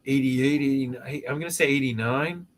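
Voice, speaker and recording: A man's voice: mid-range voice, normal speed, a little hiss or hum. Rambling, joking man in his fifties. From Canada. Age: 50s. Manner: rambling, swears and jokes freely. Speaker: podcast host. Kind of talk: casual chat.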